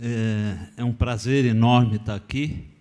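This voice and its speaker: Speaking at a very slow pace, a man has a dark, mellow tone at medium pitch. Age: 70s. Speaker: writer. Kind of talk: literary festival panel talk.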